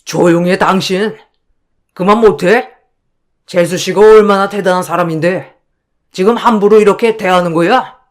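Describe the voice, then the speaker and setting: A woman's voice: medium pitch, normal speed, pauses often, lightly acted. A woman voicing a pompous older brother-in-law who orders his wife around and blusters. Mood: blustering. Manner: blustering, commanding.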